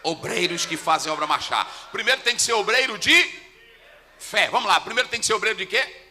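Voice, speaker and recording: A Brazilian Portuguese-speaking male pastor preaching a sermon, telling stories with dramatic swings from hushed tones to shouts. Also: high voice, expressive, brisk, long reverb tail, a little hiss or hum. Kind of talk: sermon with storytelling. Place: church.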